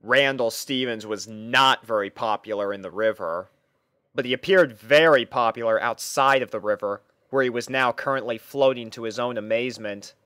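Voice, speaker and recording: A man narrating a scripted story in a measured, mock-serious storytelling manner. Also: mid-range voice, a bit bright, clean tone, no room sound, studio quality. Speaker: fan fiction narrator.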